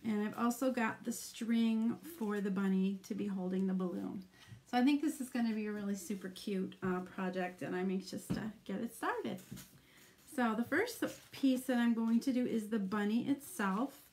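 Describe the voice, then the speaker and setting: Middle-aged woman, live craft tutorial host, mid-pitched, chatty step-by-step explainer, faint room hum. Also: moderate pace, a little mellow. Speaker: craft demonstrator.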